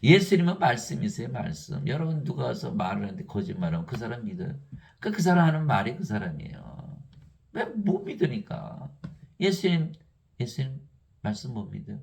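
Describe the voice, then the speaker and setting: An older man preaches from scripture in a gravelly, creaky voice. His pitch swings widely as he fires exasperated rhetorical questions at his listeners, then settles into an even recital tone for the verses. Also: brisk. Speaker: lay preacher. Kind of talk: Bible teaching sermon.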